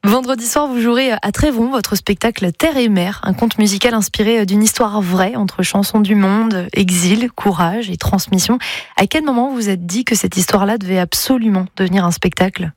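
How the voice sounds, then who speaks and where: A woman radio host presenting and interviewing in a brisk, announcer-like way. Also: medium pitch, a little mellow, no room sound. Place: radio studio. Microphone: studio microphone.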